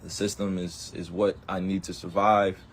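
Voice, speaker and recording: On a livestream, a young man talks with passion, emphatic and firing off repeated rhetorical questions. His voice is deep with a level tone at normal speed, and there's a little hiss or hum.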